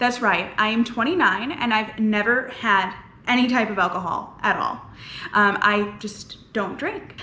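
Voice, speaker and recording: At a fairly slow pace, a woman speaks with fairly high pitch amid audible room echo and noticeable background noise. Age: 20s. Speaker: lifestyle vlogger. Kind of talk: casual vlog monologue. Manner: energetic.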